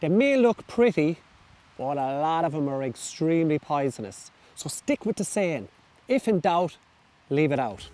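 Man teaching bushcraft outdoors, high voice. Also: very animated, a little slow, a little mellow. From Ireland. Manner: friendly, demonstrative, step-by-step instruction. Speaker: bushcraft presenter. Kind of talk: presenting outdoor tips to children. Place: outdoors in a forest.

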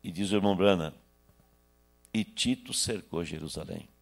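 A man in his sixties from Brazil, preaching a sermon into a handheld microphone in a small church hall, swinging between loud bursts and hushed asides. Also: deep voice, normal speed, creaky. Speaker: pastor.

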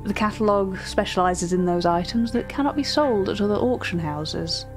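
Brief: female actor as a precise, formal curator for an eerie fiction podcast, measured delivery, mid-pitched, faint music underneath. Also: natural voice. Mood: formal, grave. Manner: formal, measured, hushed at times. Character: meticulous, eerie auction-house curator describing strange artworks. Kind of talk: scripted dramatic narration, dictated catalogue entries. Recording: music behind the voice.

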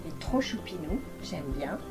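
A woman's voice: on the low side, sing-song, normal speed. Chatty woman vlogger over background music. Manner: chatty and playful, with pet names for viewers. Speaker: vlogger showing a shopping haul. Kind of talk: casual chat to viewers. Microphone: camera microphone, filmed by a cameraman.

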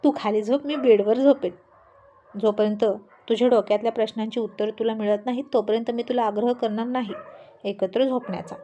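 A woman's voice: a little high, fairly even intonation, brisk, mellow, muffled recording, slight background noise, lightly acted. A woman voicing a playful, stubborn young newlywed wife who teases and pleads with her husband in a storybook reading. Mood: coaxing. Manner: teasing, pleading.

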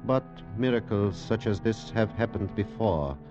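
Older physician, formal and marvelling, low voice, dull vintage radio sound. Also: male voice, expressive. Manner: deliberate, formal, foreign-sounding phrasing. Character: kindly older male doctor, marvelling and formal. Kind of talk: 1940s radio drama acting. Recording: dull old radio recording, music behind.

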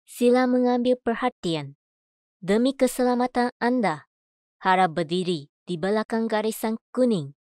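A woman reading scripted voice-over in a measured, clearly enunciated way. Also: on the high side, a little mellow, no room sound, studio quality. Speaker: voice-over artist. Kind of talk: scripted voice-over demo: adverts, narration, announcements.

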